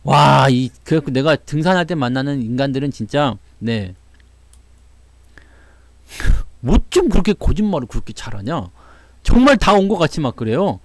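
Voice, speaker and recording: Lively chatty Korean man talking stocks. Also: mid-range voice, moderate pace, pauses often, no room sound. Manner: chatty storytelling, acts out quoted voices, laughs often. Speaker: stock market commentator. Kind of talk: casual market talk to viewers.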